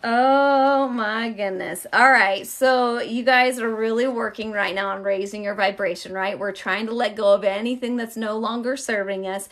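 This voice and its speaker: A woman's voice: medium pitch, normal speed, few pauses. Chatty woman hosting a card reading. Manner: chatty, addresses viewers directly with y'all; calm, encouraging when giving guidance. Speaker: tarot card reader. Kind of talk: live-streamed card reading and casual chat.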